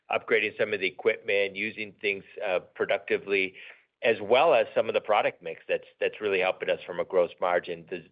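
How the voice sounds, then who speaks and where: A man speaking as a company executive, answering questions off the cuff in a measured way, often rephrasing himself. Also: fairly low pitch. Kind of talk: unscripted earnings call answers. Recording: dull, band-limited conference call audio.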